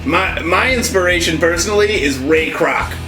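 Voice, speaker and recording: A man's voice: high-pitched, animated, normal speed, roomy sound, far from the mic, music in the background, rough recording. A man trading absurd, offbeat one-liners as a comic guest on a radio show.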